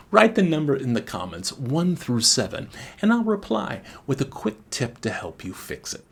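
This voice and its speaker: A man teaching exam speaking skills in a scripted video lesson, speaking deliberately with expressive intonation. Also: mid-range voice, breathy edge. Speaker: IELTS teacher and former examiner.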